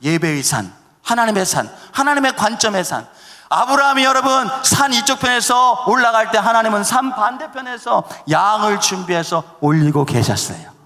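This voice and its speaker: A man preaching a sermon as pastor, swinging between shouted peaks and hushed drops, and leading his congregation in call-and-response. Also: high voice, very animated, moderate pace, long reverb tail. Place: church sanctuary.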